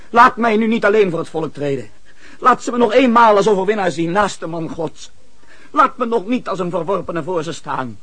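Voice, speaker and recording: Husky, troubled king. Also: high-pitched, animated, moderate pace, fairly bright tone, no echo. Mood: desperate pleading. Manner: emotional, theatrical. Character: troubled biblical king, self-justifying, pleading, anguished. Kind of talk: Dutch radio play acting.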